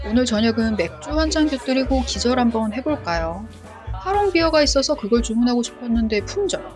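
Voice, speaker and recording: A woman talks at a fairly quick pace with music in the background. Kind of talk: travel vlog voice-over narration. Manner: casual, chatty.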